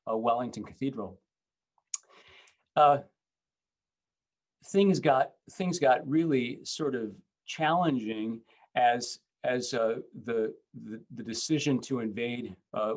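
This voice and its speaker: Halting middle-aged man, full of fillers. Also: mid-range voice, poor audio. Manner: halting, many fillers and restarts. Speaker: bishop. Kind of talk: panel talk.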